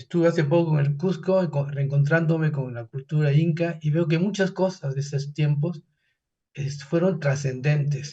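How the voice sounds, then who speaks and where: A man with a fairly high-pitched, somewhat breathy voice speaks at a moderate pace with fairly even intonation. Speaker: physician, academy member. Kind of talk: audience question at academic talk. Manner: halting, with fillers and restarts.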